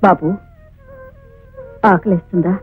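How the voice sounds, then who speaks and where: A tearful, husky poor mother. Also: fairly low pitch, steady tone, takes it slowly, dry recording, heavily acted. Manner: tearful, pleading. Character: poor, worn-down mother, grieving and anxious. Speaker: poor mother of a young boy. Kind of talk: Telugu film drama acting. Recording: tinny lo-fi film audio with faint music.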